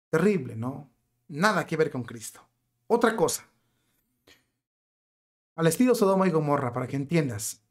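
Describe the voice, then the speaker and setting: A man giving indignant religious commentary, reading out a news report and then arguing his case with pointed rhetorical questions. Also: high voice. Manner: outraged, emphatic.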